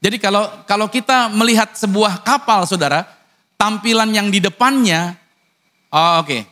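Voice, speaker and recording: A pastor preaching a sermon, mixing casual slang with formal lines and asking the congregation rhetorical questions. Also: male voice, moderate pace. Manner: swings from high excited lines to low earnest ones.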